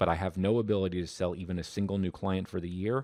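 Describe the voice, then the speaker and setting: Very deep and low in pitch, this man's voice has a dark, mellow tone and monotone, flat intonation. He speaks at a very fast pace on a very clean recording with a silent background. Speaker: business coach. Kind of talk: lecture.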